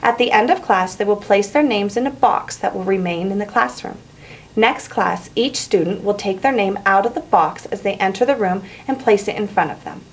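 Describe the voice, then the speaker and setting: A woman teacher giving clear, encouraging instruction, in the style of a lesson. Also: medium pitch, moderate pace. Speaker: English teacher. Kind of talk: instructional narration and classroom teaching. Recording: roomy echo, faint background noise.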